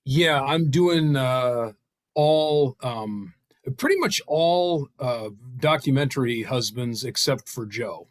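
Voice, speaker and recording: A middle-aged man chatting casually on a video call, often pausing partway through his sentences. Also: medium pitch, lively intonation, no room sound. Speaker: table read participant. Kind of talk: casual chat.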